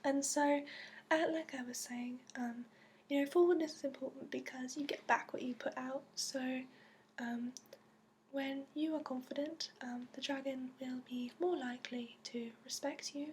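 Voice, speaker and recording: A woman playing a gentle instructor of dragon companions in a soft-spoken ASMR roleplay with a put-on accent, often near a whisper, explaining hesitantly with many ums. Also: high-pitched, steady tone, normal speed, slight background noise, lightly acted. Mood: patient, earnest. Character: gentle female instructor briefing new dragon companion recruit.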